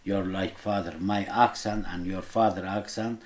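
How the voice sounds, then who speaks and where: A man with a Kurdish accent interviewing casually in simple, halting non-native English, often repeating words. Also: low voice, fairly even intonation.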